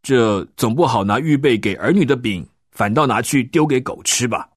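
A man doing an earnest, calm teacher. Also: mid-range voice, slightly rough, dry recording, studio quality, natural voice. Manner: earnest, measured. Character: calm, earnest male teacher of disciples, adult.

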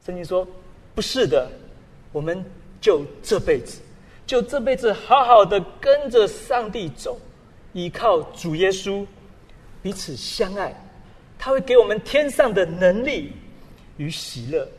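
A male pastor preaching a sermon with a high, bright-pitched voice that leaps up and down as he fires off rhetorical questions. His delivery is animated and expressive. A long reverb trails behind each phrase. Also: unhurried, long pauses.

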